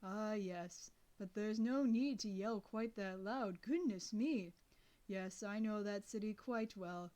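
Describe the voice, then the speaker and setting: A woman voicing a deaf elderly man who speaks slowly and wheezes, lower than her usual voice. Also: mellow, natural voice. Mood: nostalgic. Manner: slow, low and wheezy. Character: elderly male, wheezing, slow, deaf, turns hostile.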